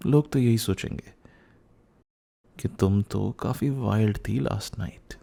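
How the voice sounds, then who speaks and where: A man's voice: fairly low pitch, a little slow, gravelly, dark tone. A young man playing a teasing, playful and cheekily bossy young husband who gets flustered, in a boyfriend ASMR roleplay, mixing in some English. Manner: teasing, repeats words, mixes in English.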